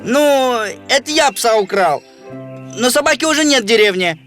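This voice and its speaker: A high, nervous villager. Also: male voice, lively intonation, moderate pace, a bit bright. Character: timid village man, guilty and nervous. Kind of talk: cartoon voice acting. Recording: music underneath.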